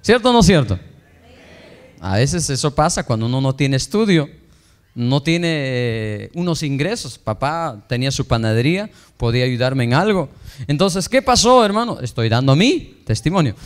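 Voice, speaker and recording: A man's voice: medium pitch, big pitch swings, normal speed. A man preaching as a pastor, telling his personal testimony to the congregation with emotion, acting out the dialogue he recounts. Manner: emotional storytelling, acts out quoted dialogue, addresses congregation as brothers. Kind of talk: sermon testimony.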